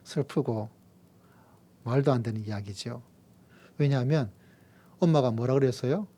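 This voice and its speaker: A man from the region, preaching a sermon and telling a playful story with emphatic, drawn-out key words. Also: mid-range voice, mellow. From Gyeongsang region, Korea. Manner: playful storytelling with jokes and acted-out voices. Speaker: pastor.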